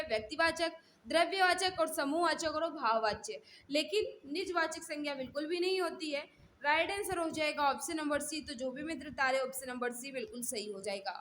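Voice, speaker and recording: Woman, high-pitched online test-prep teacher, instructional and repetitive, faint noise behind her. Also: a bit bright. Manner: instructional, repeats questions and set phrases. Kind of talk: live mock-test lesson, questions and answers.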